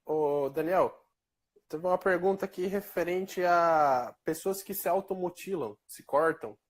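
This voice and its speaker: A man's voice: on the high side, measured pace. A man from southern Brazil, a hypnotherapist guest on a casual live chat, relaying viewer questions and chiming in briefly.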